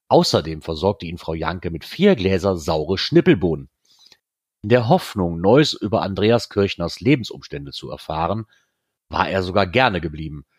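Narrator: man reading a novel aloud, low-pitched, steady, dry close sound. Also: dry recording. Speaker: reader.

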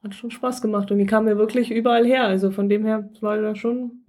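A woman's voice: medium pitch, fast. Woman podcast host in a middle register, easygoing interviewer. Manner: relaxed, encouraging, laughs often. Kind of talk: casual interview.

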